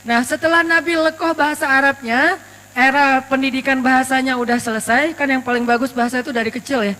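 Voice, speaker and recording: A man from Aceh giving a casual, lively sermon, telling stories with humor and quoting Arabic verses. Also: very high voice, a little fast. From Aceh, Indonesia. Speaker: preacher. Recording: long reverb with mains hum.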